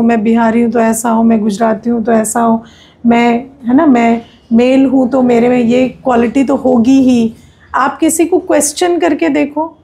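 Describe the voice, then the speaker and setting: A woman's voice: on the high side, vocal fry, warm tone. A woman with an Indian accent giving an explanatory spiritual discourse, conversational and instructive, often posing questions to her listeners. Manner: didactic, conversational, often asks rhetorical questions and checks understanding. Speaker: spiritual teacher.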